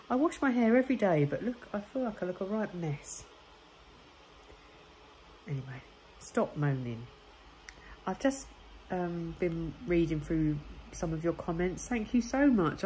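A woman in her forties talks casually into a phone held at arm's length, her voice low and mellow. Her nose sounds blocked, giving a congested tone, and a faint hiss of background noise sits behind her. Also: low-quality recording. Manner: chatty, chirpy and warm. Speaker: vlogger. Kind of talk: casual daily vlog chat. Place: home and car, indoors. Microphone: phone camera at arm's length.

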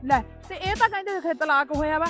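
A woman's voice: high-pitched, fast, music in the background, lightly acted. A woman playing a defiant villager who demands her house and makes threats to an official. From Punjab.

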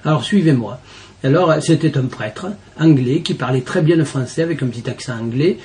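A man's voice: mid-range voice, a little mellow, a little hiss or hum. Earnest French deacon telling his testimony. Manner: earnest, halting, with many restarts and fillers. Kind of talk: personal testimony in an interview.

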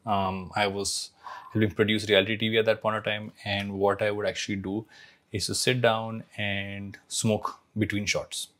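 A man in his forties telling a personal story to camera in a reflective, emphatic way, his throat a little husky. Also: lowish voice, level tone, normal speed, a bit bright. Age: 40s. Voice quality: slightly husky, throat clearing. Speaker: founder sharing life lessons.

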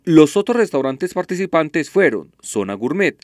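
Male news voice-over, slightly high. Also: moderate pace, slight background noise. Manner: steady, scripted reading. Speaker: news reporter.

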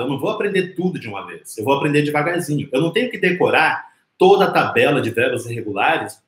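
A man's voice: a little high, a bit bright. A Brazilian man in his forties giving an informal, conversational English lesson on a live stream, explaining didactically with rhetorical questions and example phrases. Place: small indoor room with whiteboard. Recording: roomy, echoing indoor sound.

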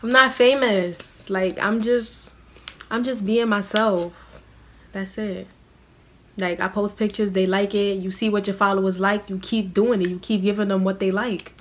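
A young American woman answers viewer questions to camera in a small room, speaking unhurriedly at medium pitch with fairly even intonation. Slight background noise is audible, and she's blunt and casual, using heavy slang and lots of "like" fillers.

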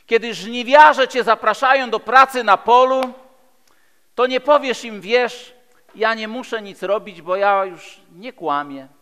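A man's voice: extremely high pitch, a little slow, clean tone. A man in his fifties from Poland preaching a sermon in an emphatic, rhetorical manner with repeated phrases. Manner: emphatic, rhetorical, with repeated phrases and dramatic swings between loud and hushed. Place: large church hall, speaking from a pulpit. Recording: echoey hall with long reverb.

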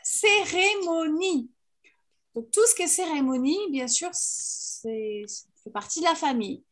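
High-voiced teacher drilling vocabulary. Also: female voice, expressive, a little slow. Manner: clear, patient drilling of vocabulary. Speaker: English teacher. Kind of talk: online class lesson.

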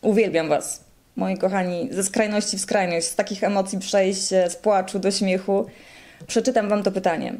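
A woman's voice: medium pitch, fairly even intonation, normal speed, a little mellow. A woman answering viewer questions to camera, talking sweetly and calling her viewers her dear ones. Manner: sweet, addresses viewers as "moi kochani". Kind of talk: casual talk to camera.

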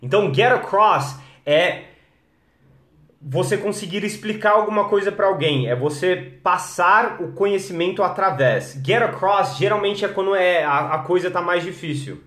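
A man with a Brazilian Portuguese accent teaching English phrasal verbs on a live stream, energetic and coaching, calling his viewers guys. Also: high-pitched, normal speed, echoey room.

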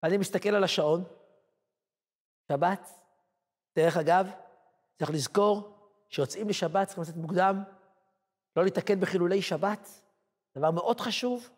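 A rabbi, a man with a fairly high voice, tells a sermon story in short, dramatic bursts. His voice rings out with a long hall reverb. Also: pauses often, a little mellow. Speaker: rabbi and lecturer.

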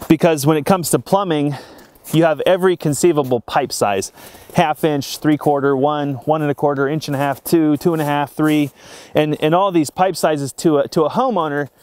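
Plainspoken man explaining plumbing outdoors. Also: mid-range voice. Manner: practical, plainspoken, explains step by step. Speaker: homesteading vlogger. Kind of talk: casual explainer vlog. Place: outdoors in snow by a forest.

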